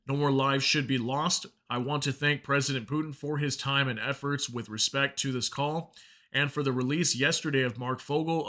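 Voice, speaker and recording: A man's voice: medium pitch, bright, forceful tone. A man hosting an informal news commentary, explaining reports and reading out statements in a conversational way. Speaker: news commentary channel host.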